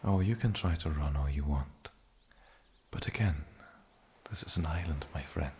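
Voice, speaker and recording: Casting: male actor for lonely, menacing island demon, fantasy ASMR. Gravelly, whispery, soft-spoken, possessive; faint ambient noise behind the voice. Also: very deep voice. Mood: calmly threatening. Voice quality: breathy, often dropping into whisper. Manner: slow, halting, sinister politeness.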